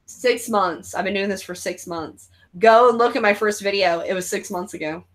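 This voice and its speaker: A woman's voice: medium pitch, normal speed. A woman around thirty hosting a casual movie watch-along, crude and joking, reading out viewer comments. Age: 30s. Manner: crude, joking, reads chat comments aloud. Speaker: host.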